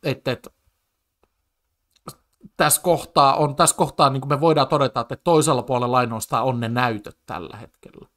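A man's voice: mid-range voice, a bit bright. Agitated man ranting over a debate clip. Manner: agitated, full of stammered restarts and fillers. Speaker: commentator reacting to a TV debate clip. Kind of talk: casual spoken commentary.

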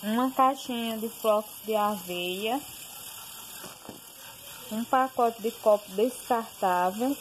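Woman vlogger, unhurried home voice-over, plain listing delivery, noisy kitchen phone audio. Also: on the high side. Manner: slow, plain listing with fillers. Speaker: home cooking and grocery vlogger. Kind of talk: casual voice-over listing groceries. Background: pressure cooker hissing.

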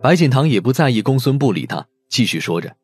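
Husky guy narrating an audiobook, really lively pitch, soft music under it. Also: fast talker. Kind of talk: scripted dramatic narration of a novel.

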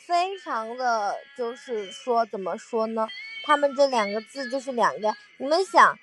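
A woman's voice: on the high side, animated, measured pace, music in the background. A woman hosting a casual livestream, chatting with viewers and laughing at her own slips of the tongue. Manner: sings along with songs between chatting. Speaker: livestream host.

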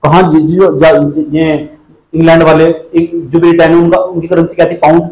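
A man's voice: fairly high pitch, completely flat delivery, moderate pace, darkish tone, roomy sound, poor audio. A man teaching an exam-prep lecture, repeating points again and again, quizzing and scolding his students. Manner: repetitive drilling, asks students questions.

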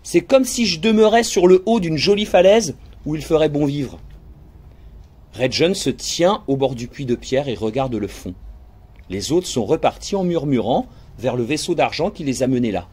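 Hushed, expressive male audiobook narrator. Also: medium pitch, breathy edge. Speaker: audiobook reader. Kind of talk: scripted narration.

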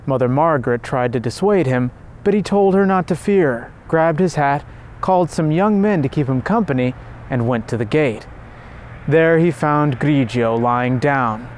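A male storyteller reads a devotional tale in an earnest, measured manner. His voice sits a touch higher than most men's, with a faint noise floor underneath. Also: animated, a little mellow. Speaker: narrator and channel host.

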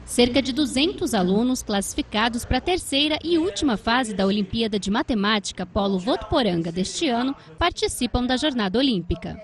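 Woman, Brazilian accent, slightly high pitch, reporter, scripted news narration. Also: expressive, brisk, hardly any pauses.

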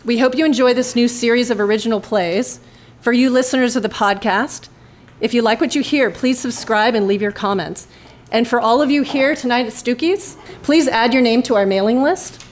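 Female host-narrator for live radio plays, voice a little high, scripted delivery. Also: normal speed. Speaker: host and writer. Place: live in a club.

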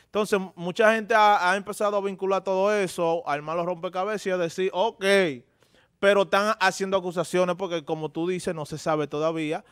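Young Dominican male co-host, chatty, smooth clear voice, dry studio sound. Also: high-pitched, fairly even intonation, brisk, a bit bright, dry recording. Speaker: radio show co-host. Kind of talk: casual panel commentary. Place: TV-radio studio. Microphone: studio microphone on desk stand.

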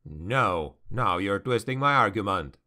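A man's voice: on the low side, animated, unhurried, pushed and bright. A man doing a grim, growling noble warrior. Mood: defiant. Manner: growling, cold, defiant. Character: grim, ambitious noble male warrior, exhausted.

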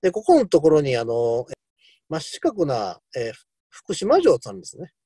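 A man lectures on history in a loose, digressive way, with a light lilt. His voice is mellow and lively in pitch, and he fills pauses with hesitations. The sound is dry and close. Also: slightly rough, no echo. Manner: rambling, many fillers, lively asides.

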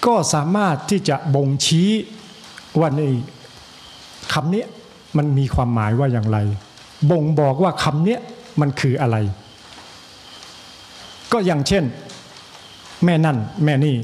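A monk with an Isan accent giving an evening sermon, slow and measured, with pauses and repetition and a joke now and then for the listeners. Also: male voice, on the high side, a little mellow, a little hiss or hum. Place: temple hall.

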